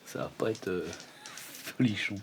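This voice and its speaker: Homme à voix assez grave, joueur de rôle. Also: male voice, on the low side, moderate pace, husky. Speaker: tabletop game player. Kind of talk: casual improvised game chat.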